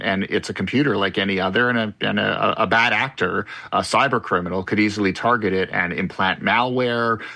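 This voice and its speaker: A man explaining cybersecurity risks in a measured, explanatory way. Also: lowish voice, creaky, bright, forceful tone, dry recording. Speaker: tech commentator. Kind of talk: explaining in an interview clip.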